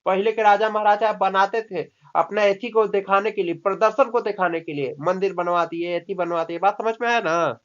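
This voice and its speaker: His voice sits high, with fairly even intonation, a moderate pace and few pauses. Explaining in Hindi, he tutors a student in English vocabulary, coaxing and scolding by turns and drilling words through repetition. The recording is dull and lo-fi.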